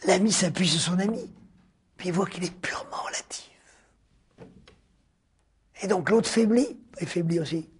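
Very husky man lecturing slowly. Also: high voice. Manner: deliberate, drawn-out phrasing with sudden hushed drops; rhetorical, repeats key words for emphasis. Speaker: philosophy lecturer. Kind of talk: spoken philosophy lecture.

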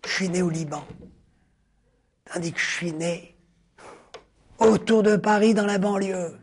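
A man giving a spoken philosophy lecture, drawn out and rhetorical, repeating key words and dropping suddenly into a hushed near-whisper. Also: high-pitched, slight background noise. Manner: deliberate, drawn-out phrasing with sudden hushed drops.

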